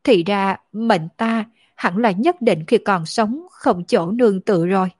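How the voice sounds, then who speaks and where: A tearful young orphan woman, lonely and grieving, voiced by a female audiobook reader. Her words come slow and choked, at a middling pitch. The sound is dry and close, with no room around it. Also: darkish tone, slightly rough, dry recording. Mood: sorrowful.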